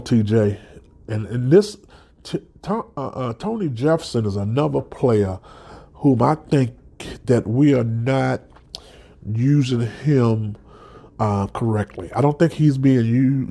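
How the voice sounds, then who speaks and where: A man's voice: medium pitch, creaky, warm tone. Stuffed-up man ranting about football. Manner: passionate fan talk, many restarts and "okay?" tags. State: stuffed up from a cold. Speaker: podcast host. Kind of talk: solo sports podcast commentary.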